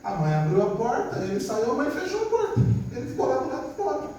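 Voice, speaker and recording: High-voiced preacher in an echoey church. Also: male voice, wildly swooping pitch, fast talker, darkish tone. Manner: conversational, often asks the congregation for agreement; acts out quoted family voices. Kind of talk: storytelling sermon. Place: church service. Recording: echoey church, distant mic, faint noise.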